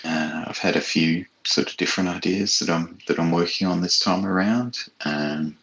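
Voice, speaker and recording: A man's voice: low voice, moderate pace, a bit bright, slight background noise, poor audio. A man chatting casually and reflectively as an interview guest, an author with a hesitant, thoughtful, modest manner.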